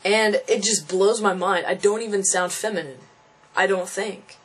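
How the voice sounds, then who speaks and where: A high-pitched man speaks at a moderate pace on a slightly rough recording. He's a young transgender vlogger venting to camera in a casual, frustrated way, thinking aloud and repeatedly restarting and echoing his own phrases.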